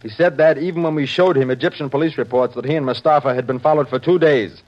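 An actor playing a probing, authoritative security chief, speaking briskly and seriously in 1950s radio drama style. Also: male voice, mid-range voice, darkish tone, close to an everyday voice. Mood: grave, puzzled. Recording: muffled 1950s radio recording.

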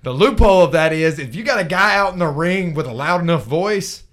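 A man with a somewhat high voice tells stories from the cage in a loose, rambling way, full of fillers and restarts. His tone is casual podcast chat. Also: lively intonation, brisk, fairly bright tone. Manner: rambling, filler-heavy storytelling. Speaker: MMA fighter.

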